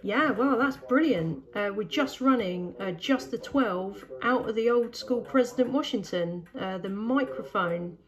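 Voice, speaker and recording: A woman's voice: on the high side, unhurried, few pauses, dull audio. A woman with a southern English accent chatting casually and enthusiastically as a CB radio operator. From southeast England. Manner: enthusiastic, effusive. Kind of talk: casual two-way radio chat.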